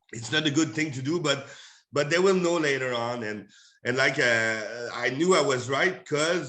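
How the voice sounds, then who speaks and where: A man's bright, sharp voice in a strong French accent, moderate in pace with ordinary pitch variation, amid audible room echo. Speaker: firefighter and speaker. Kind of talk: interview. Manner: halting.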